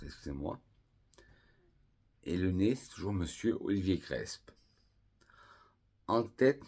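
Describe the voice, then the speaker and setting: A man from France reviewing perfumes in a casual vlog, calmly and unhurriedly listing scent notes one by one. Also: deep voice, slightly rough.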